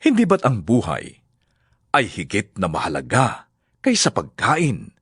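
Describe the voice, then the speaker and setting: A man with a Filipino accent playing a solemn, earnest religious teacher in a dramatized scripture reading, with measured, declamatory delivery. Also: lowish voice, wildly swooping pitch, husky, no room sound, studio quality, full character voice. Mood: solemn, instructive. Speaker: voice actor.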